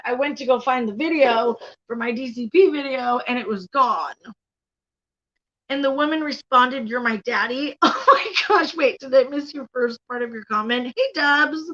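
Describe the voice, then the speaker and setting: A woman with a high, bright voice and a forceful tone reacts on her casual commentary stream, swearing bluntly and laughing often. She's a YouTube host, and the sound is slightly dull and lo-fi.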